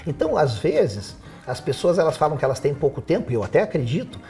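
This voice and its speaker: A man who teaches, a guest on a podcast, giving practical advice in a casual, animated way with rhetorical questions. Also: on the high side, fast talker, soft background music.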